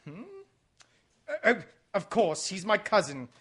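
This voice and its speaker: A man playing a debonair, sly gentleman exile in a radio mystery, speaking suavely and theatrically. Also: sits high, lively intonation, measured pace, slightly rough, full character voice. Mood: nonchalant, evasive. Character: debonair, sly English gentleman exile, Foreign Legion deserter. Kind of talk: radio mystery drama acting.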